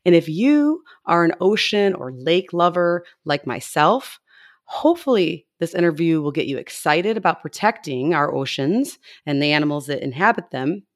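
A woman's voice: fairly low pitch, sing-song, moderate pace. A woman hosting a podcast interview, chatting eagerly and gushing about the guest's work. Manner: enthusiastic, gushing, with restarts. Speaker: podcast host.

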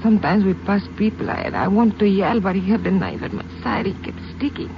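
An actress playing a frightened, injured young woman witness with a Mexican Spanish accent. She speaks in breathless, halting bits and is in pain. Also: mid-range voice, creaky, lightly acted. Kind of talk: 1950s radio acting. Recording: dull lo-fi old radio recording with hiss.

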